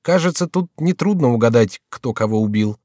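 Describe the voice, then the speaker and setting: A man voicing a rash young nobleman with a sardonic, brisk manner, in an audiobook reading. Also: mid-range voice, expressive, warm tone, no echo, studio quality, natural voice. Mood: wry.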